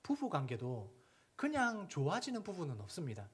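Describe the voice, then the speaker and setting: A middle-aged man preaches a sermon in a slightly high, very lively voice. He keeps asking his listeners questions. He also acts out little scenes with children and parents. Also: normal speed, husky. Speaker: pastor.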